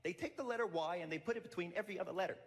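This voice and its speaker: A man doing an animated stand-up comedy bit about accents, laughing as he talks. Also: high-pitched, rapid-fire. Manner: animated, mocking, laughs while talking. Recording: noisy background.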